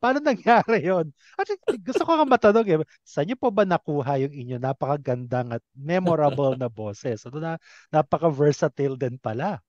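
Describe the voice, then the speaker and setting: A man's voice: fairly high pitch, animated, brisk, darkish tone, dry recording. A Filipino man interviewing casually, polite and deferential, feeling his way through questions and mixing in English, in slightly muffled sound.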